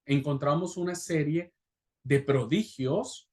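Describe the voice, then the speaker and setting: A pastor with a Rioplatense Spanish accent leads a Bible class with energy, frequently tacking on "right?" and performing the voices of those he quotes. His voice is fairly high and his pace slow.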